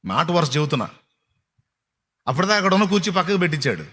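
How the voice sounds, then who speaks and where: A man's voice: on the high side, sing-song, fast talker, bright, forceful tone, breathy edge. A man preaching a sermon to a congregation, emphatic and repetitive, firing rhetorical questions. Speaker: pastor.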